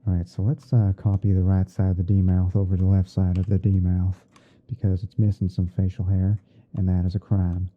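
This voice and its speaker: A man with a very deep voice talks through an editing task on an ASMR stream. He is unhurried, half talking to himself as he works. The audio is narrow and muffled, like a phone line. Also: completely flat delivery. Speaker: streamer hosting a roleplay. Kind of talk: ASMR livestream, narrating photo editing step by step.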